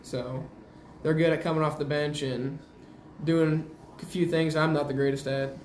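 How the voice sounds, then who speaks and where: A man's voice: fairly high pitch, flat delivery, moderate pace, a little mellow. Teenage male athlete in an echoey room. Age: teens. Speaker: high school basketball player interviewed. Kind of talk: casual interview answers. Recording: roomy, echoing, faint noise.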